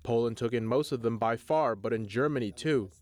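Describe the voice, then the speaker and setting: A male official calmly describing the situation in a news interview clip. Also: mid-range voice, a little fast.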